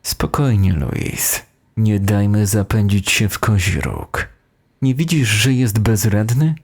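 A man's voice: on the low side, lively intonation, slow, exaggerated voice. A man voicing a smug, calculating teacher in an audio horror story, coolly reassuring. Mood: calm, dismissive. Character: smug, calculating male teacher, secretly a killer.

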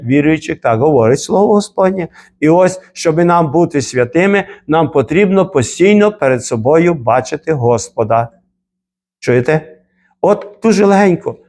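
A man's voice: fairly high pitch, darkish tone. Fervent Ukrainian-speaking male pastor preaching. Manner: preacherly, rising to emphatic repeated exhortations. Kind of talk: sermon.

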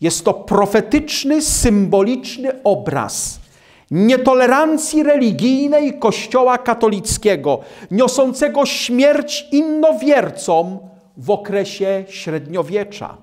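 A man preaching a sermon on scripture in a slow, emphatic way, with dramatic drops in his voice. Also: very high voice, very animated, a little mellow.

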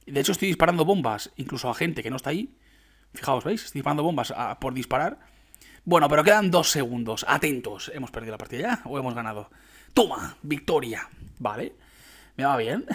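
A young man from Spain with a Spanish accent, commenting his own gameplay in an excitable, chatty way with frequent laughs. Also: mid-range voice. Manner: excitable, laughs often, chatty asides to viewers. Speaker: gaming YouTuber.

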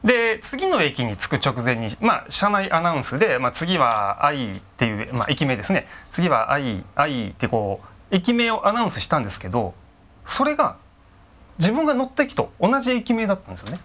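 A middle-aged man tells a ghost story in a conversational way. His pitch swings dramatically up and down, and his phrases come quickly, broken by suspenseful pauses. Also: big pitch swings, a bit bright. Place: dark studio, seated round candlelit tables.

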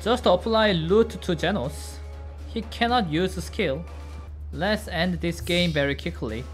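Here a native Korean speaker in his thirties, accented and using simple, halting English, gives casual commentary on his game. He is an excitable streamer given to high-pitched exclamations in play, working from an indoor desk with a webcam beside the game screen while faint game music plays.

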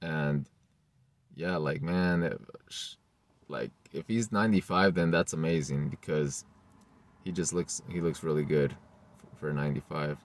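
A young man giving casual reaction commentary to camera, talking haltingly with lots of "like" and "you know", recorded inside a car. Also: a bass voice. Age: young adult. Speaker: vlogger.

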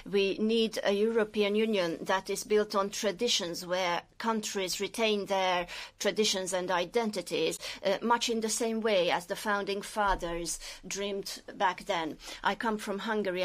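Formal woman interpreter, many fillers. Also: mid-range voice. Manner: measured, formal, with frequent fillers. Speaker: simultaneous interpreter. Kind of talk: simultaneous interpretation of a conference speech.

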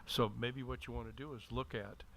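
A man speaking in a measured, lawyerly way as he gives formal but halting remarks at a public meeting. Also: mid-range voice, fairly even intonation, fairly bright tone. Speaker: city attorney. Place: indoor council meeting room. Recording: noisy room public-meeting microphone.

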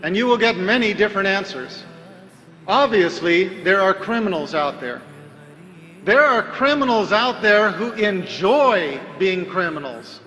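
A man giving a deliberate, emphatic religious lecture full of rhetorical questions. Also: high voice, bright, forceful tone, long reverb tail. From United States. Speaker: Islamic preacher.

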